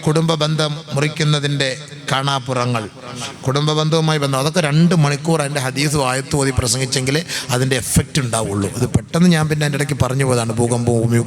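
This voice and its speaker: A man preaching an Islamic sermon to a live gathering, moving from slow sing-song pleading to easy chatty asides. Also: a little high. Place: gathering before a live crowd. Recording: crowd noise in the background.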